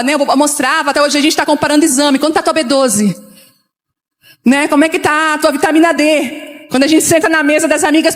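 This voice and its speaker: A woman in her forties, a pastor from Brazil, preaching to her congregation in an animated, conversational way. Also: sits high. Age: 40s. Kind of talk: sermon to a church congregation. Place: church hall. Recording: long reverb of a large hall.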